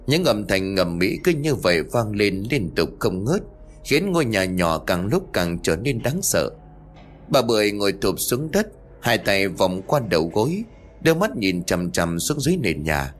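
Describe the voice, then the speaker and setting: Low, animated male horror storyteller. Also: normal speed, slight background noise. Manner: steady, suspenseful telling. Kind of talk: scripted horror narration. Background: faint music.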